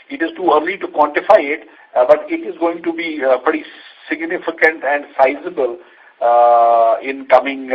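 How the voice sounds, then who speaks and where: Halting Indian executive on a dull call line. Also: male voice, medium pitch, husky. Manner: halting, hesitant delivery with repeated phrases. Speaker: company executive answering investor questions. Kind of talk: unscripted earnings call answers. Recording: dull lo-fi conference call audio.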